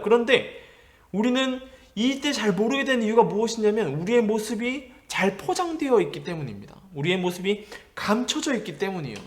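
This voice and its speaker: A young man from the Gyeongsang region preaching a sermon to middle schoolers, telling stories gently and putting questions to his listeners. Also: high voice. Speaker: youth pastor.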